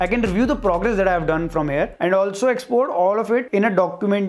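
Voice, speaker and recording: With music in the background, a man with a non-native accent speaks at a very fast pace and a high pitch with ordinary pitch variation. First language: not English. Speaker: UX designer and tech YouTuber. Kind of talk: tutorial.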